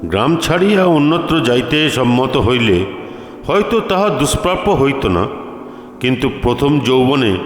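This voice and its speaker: A man reading a literary story as narrator, with formal, deliberate phrasing. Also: fairly high pitch. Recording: echoey, long reverb, music behind. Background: music.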